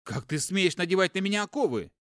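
A man's voice: high-pitched, lively intonation, brisk, no echo, studio quality, pitched above the performer's own voice. A man voicing a furious, hot-tempered captive warrior lord who hurls defiant accusations.

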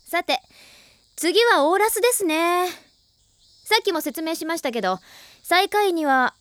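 A woman's voice: very high voice, animated, measured pace, a bit bright, no room sound, full character voice. An actress playing a confident, crafty teenage girl in an anime audio drama, with a cool, teasing, mock-polite delivery. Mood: playful, teasing.

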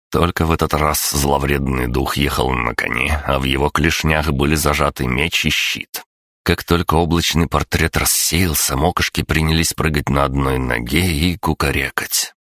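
Super deep guy reading an audiobook, dry wry delivery, no echo at all. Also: fairly even intonation, normal speed, a bit bright. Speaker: audiobook narrator. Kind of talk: first-person audiobook narration.

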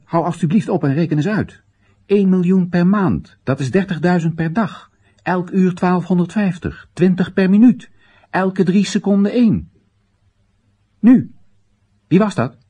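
A man's voice: on the high side, dark tone, husky, full character voice. An actor playing an exasperated, ironic Chinese citizen addressing his comrades in emphatic short phrases, in a theatrical radio play monologue. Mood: agitated, exhorting.

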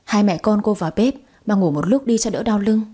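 An old housekeeper giving polite but firm warnings, as a woman reading the story does her. The tone is mellow and a bit breathy. It is a storybook read aloud. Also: mid-range voice, fairly quick, lightly acted. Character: old female housekeeper, stern but kindly.

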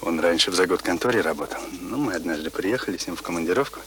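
An actor playing a courteous, talkative suitor telling tall tales in a radio play. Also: male voice, low-pitched, fast talker, a bit bright. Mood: animated, boastful. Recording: noisy old radio play recording.

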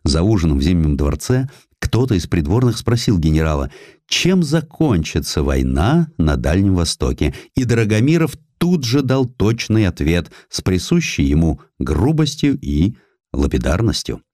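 A man reading a historical sketch as a dramatic audiobook narrator, expressive and emphatic, with deliberate pauses. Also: deep voice, no echo, studio quality.

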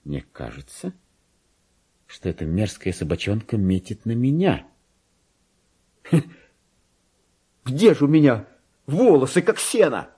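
An actor playing a lowly, paranoid, resentful male clerk in a dramatic radio monologue, brooding and muttering with theatrical outbursts. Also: big pitch swings, measured pace, pauses often, warm tone, slightly rough, exaggerated voice. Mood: offended.

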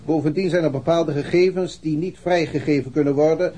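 An actor playing a pompous, evasive police commissioner in a radio drama, speaking in a formal, long-winded manner. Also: male voice, fairly high pitch, a little fast, dark tone, close to an everyday voice. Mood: self-important.

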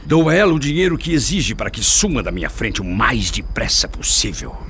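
A gravelly, anguished Brazilian father. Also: medium pitch, animated, fairly quick, slight background noise. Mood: bitter. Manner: anguished, theatrical, swinging from hushed to outbursts. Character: embittered, self-pitying middle-aged father, obsessively yearning. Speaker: radio drama actor. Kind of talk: melodramatic radio play acting.

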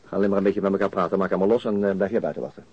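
An actor playing a calm, shrewd police detective, measured and understated, in a radio crime drama with muffled sound. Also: male voice, deep voice, slight background noise. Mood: calm authority.

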